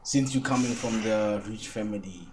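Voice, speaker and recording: A South African man hosting a casual podcast interview, relaxed and chiming in with short encouragements. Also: lowish voice, normal speed. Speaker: podcast host.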